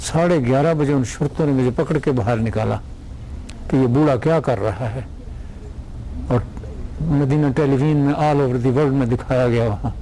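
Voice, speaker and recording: Noticeable background noise runs under a man's medium-pitched voice. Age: 70s. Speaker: student testimonial, spiritual healer. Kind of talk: testimony.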